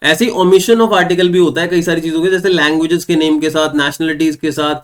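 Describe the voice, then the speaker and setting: A young man teaches an English grammar lesson for exam students, with a voice pitched a little above the usual male range. He works through examples step by step, asking questions and answering them himself. He reads the English example sentences slowly and clearly. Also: fairly even intonation. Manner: explains step by step, asks and answers his own questions. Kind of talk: online exam-prep lesson.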